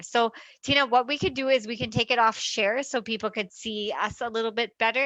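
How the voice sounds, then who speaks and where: Bright-voiced woman hosting a webinar. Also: mid-range voice, no room sound, low-quality recording. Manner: warm praise, many filler pauses. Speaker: host. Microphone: video call.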